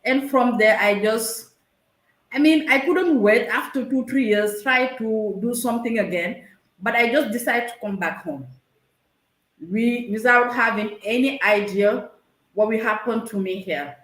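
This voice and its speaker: A woman's voice: on the high side, unhurried, fairly bright tone. Woman, echoey room. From Senegal. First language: French. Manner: hesitant and searching for words, many restarts. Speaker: guest. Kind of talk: conversational interview over a live stream.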